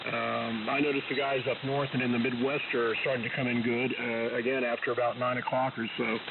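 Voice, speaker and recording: A man's voice: mid-range voice, flat delivery, fairly quick, vocal fry. Easygoing man on distant, tinny ham radio. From United States. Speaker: amateur radio operator. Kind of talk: casual on-air radio chat. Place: amateur radio transmission on 40 meters. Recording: distant tinny shortwave radio, noisy static.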